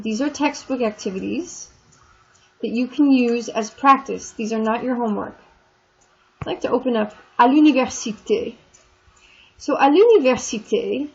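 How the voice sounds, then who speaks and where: A woman teaching a language class, talking slowly and patiently as she works through examples. Her voice sits a bit high and sounds husky. The recording is somewhat dull and muffled. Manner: patient, explanatory, repeats and spells out examples. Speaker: French teacher. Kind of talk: recorded lecture walking through textbook exercises.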